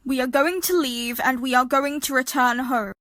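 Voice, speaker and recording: A woman playing a quick-thinking young woman who bluffs politely in an audio drama, careful and placating. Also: high-pitched, steady tone, a bit bright, no room sound, clean studio sound.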